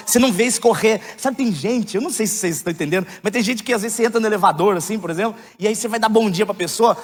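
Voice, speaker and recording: Brief: male preacher, thirties, high-pitched voice, joking candid delivery, church hall with long reverb. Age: 30s. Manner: candid, joking, rising to loud emphatic outbursts. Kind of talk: sermon.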